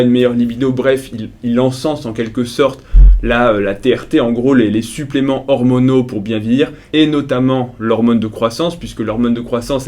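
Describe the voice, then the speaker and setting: A man's voice: medium pitch, darkish tone. Middle-aged male video host, mid-range voice, casual and sardonic, critiquing a product. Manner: conversational, ironic, critical. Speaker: fitness YouTuber.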